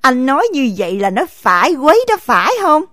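An actress with a Southern Vietnamese accent playing a jealous, furious village wife, scolding in a shrill, rapid-fire voice in an audio drama. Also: female voice, big pitch swings, fairly bright tone, no room sound, clean studio sound.

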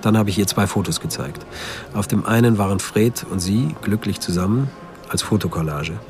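A man acting a sober friend recounting events in a radio play. His voice is low and reflective, with music playing clearly behind him. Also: moderate pace, natural voice. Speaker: actor narrating as a character. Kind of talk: first-person radio drama narration.

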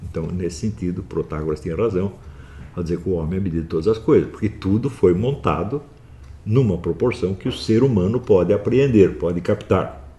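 A man giving a philosophy lecture, swinging from calm explaining to forceful scolding. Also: low-pitched, brisk, a little hiss or hum. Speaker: philosophy teacher. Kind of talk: recorded online lecture.

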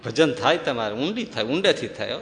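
A man's voice: medium pitch, a little fast, noisy background. Man telling a devotional story. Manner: lively storyteller, chuckles often. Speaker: religious preacher. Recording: long hall reverb.

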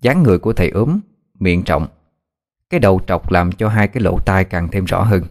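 A man narrating a ghost story in a calm, even way. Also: low voice, fairly quick. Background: faint music.

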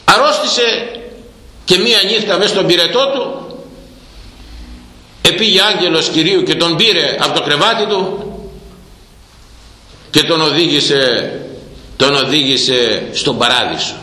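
A man preaching a storytelling sermon, telling a tale in a lively way and acting out the characters. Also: fairly high pitch, pauses often. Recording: echoey hall with long reverb.

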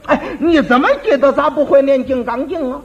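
A man's voice: very high voice, brisk, a little hiss or hum, voice pushed up. A man doing a drunk bragging butcher. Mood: indignant. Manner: bragging, stammering. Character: drunk boastful male butcher, know-it-all. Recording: dull lo-fi old recording.

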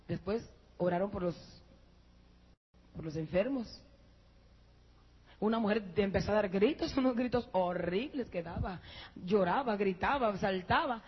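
A woman giving an emotional church testimony, speaking to listeners as brothers and rising to high, excited peaks. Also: a little slow, husky. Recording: muffled lo-fi church recording.

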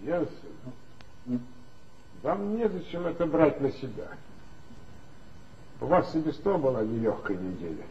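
Police chief, diplomatic, commanding, lively intonation, dull old recording. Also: male voice, medium pitch, unhurried, pauses often, slight background noise. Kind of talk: 1960s radio play acting. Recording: dull 1960s radio play recording.

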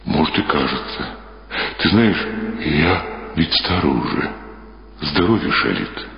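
A man putting on a tired old father dung beetle, his voice sunk very low and dragging at a slow, sighing pace. He sounds wistful and worn by age, as in an old radio story. The sound is dull and roomy, with music running underneath. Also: sing-song, vocal fry, heavily acted. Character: aging gentle father dung beetle, melancholy.

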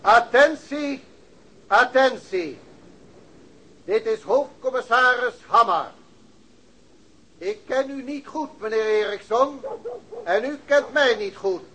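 An actor playing a stern, pompous, middle-aged police chief commissioner in a radio drama, speaking formally and with authority. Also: male voice, very high voice, pushed and bright, a little hiss or hum, full character voice, low-quality recording.

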